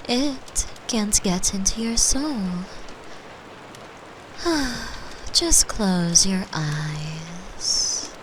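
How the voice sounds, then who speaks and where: A woman performs a gentle being from another dimension, lonely and tender, in a comforting ASMR roleplay. Her words come extremely slowly, breathy and soft, often sinking into whispers. A faint rain-like ambience sits behind the voice. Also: medium pitch, background noise. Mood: soothing, tender.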